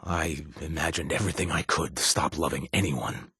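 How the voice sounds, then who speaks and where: An actor playing a wry, self-deprecating former raider turned bartender in a video game, halting with fillers in a husky voice. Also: male voice, a bass voice, sharp tone, dry recording, clean studio sound, exaggerated voice. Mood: somber. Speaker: game companion character. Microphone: studio mic.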